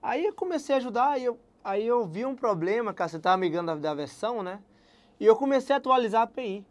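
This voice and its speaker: A young man from Salvador with a Bahian accent, a guest telling his career story in relaxed casual chat and laughing at himself. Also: sits high, quick pace. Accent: Bahian Brazilian Portuguese. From Salvador, Brazil. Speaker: guest software engineer.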